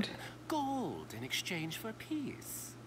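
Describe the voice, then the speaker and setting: Against loud background noise, a cartoonish character voice speaks at a fairly slow pace. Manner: haughty, oily.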